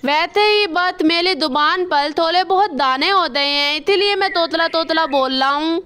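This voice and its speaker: Woman voicing a gentle lisping crow dad for a cartoon, high and bright tone. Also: moderate pace. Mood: lisping, fond. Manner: lisping baby-talk speech. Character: lisping male crow father, kind and self-sacrificing.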